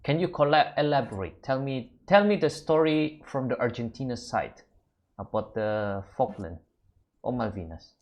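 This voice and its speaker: A man's voice: mid-range voice, animated, a little slow, a little mellow, soft background music. A man from Indonesia chatting on a video call with a stranger, asking lots of questions and laughing easily. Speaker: language content creator. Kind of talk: casual video chat.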